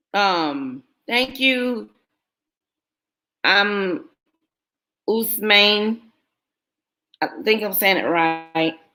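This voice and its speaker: A woman with an American accent and lively intonation, at a very slow pace with long, frequent pauses, over music in the background. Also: medium pitch for a woman. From US South, rural North Carolina. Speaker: online video host. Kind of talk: live stream chat with viewers.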